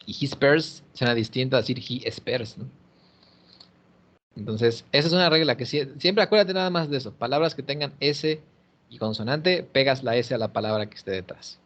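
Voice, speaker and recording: Male English tutor, mid pitch, patient and explanatory, on a muffled video call. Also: fairly bright tone. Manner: patient, explanatory, models pronunciation slowly. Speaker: English teacher. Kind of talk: one-on-one online English lesson.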